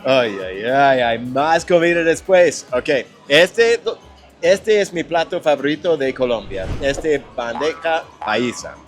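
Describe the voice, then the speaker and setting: A man's voice: a little high, lively intonation, takes it slowly, faint music behind. A man hosting a food vlog in a restaurant, chatting casually and stopping often to search for his words. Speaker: vlog host tasting food.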